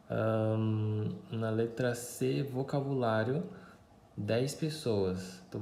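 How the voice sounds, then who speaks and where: A man's voice: medium pitch, gravelly, mellow. A man whose first language is Mandarin, a teacher chatting casually with his viewers and filling his talk with "né" and "tá". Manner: chatty, many fillers and tag questions. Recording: echoey room, faint background noise.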